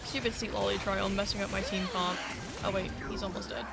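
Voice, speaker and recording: A woman's voice: medium pitch, steady tone, a little fast, gravelly, over loud music. A woman game streamer giving casual live commentary as she plays. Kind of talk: casual live gameplay commentary, reading some dialogue aloud.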